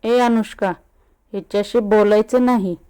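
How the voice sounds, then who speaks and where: A woman's voice: medium pitch, steady tone, measured pace, mellow, smooth, no room sound, natural voice. A woman voicing a tipsy, childish young woman who slurs and lisps like a small child. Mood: tipsy, sulky. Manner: slurred, babyish lisping speech.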